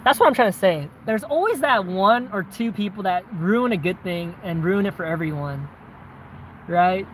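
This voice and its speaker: A man's voice: high-pitched, normal speed, slight background noise, rough recording. Southern-accented man chatting casually. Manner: conversational, frequent tag questions and "man", "bro". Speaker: vlogger answering viewer questions. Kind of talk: casual chat.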